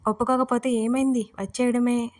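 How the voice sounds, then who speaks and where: A woman's voice: on the high side, flat delivery, moderate pace, a little mellow, close to an everyday voice. A woman voicing a cheerful, playful young bride-to-be who insists and teases in a Telugu audio story. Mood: teasing.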